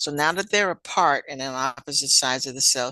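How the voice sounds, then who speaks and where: Against a quiet background, a woman speaks with a bright, sharp tone and ordinary pitch variation in a dry, close sound with no echo. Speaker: biology teacher. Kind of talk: online class lecture. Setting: video call. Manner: hesitant with many fillers.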